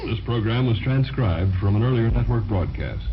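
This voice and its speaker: A man's voice: lowish voice, expressive, moderate pace, noisy background. A man announcing a radio program in a formal, projected delivery, heard from an old broadcast transcription disc. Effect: old broadcast transcription disc sound. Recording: dull lo-fi old broadcast disc with loud music.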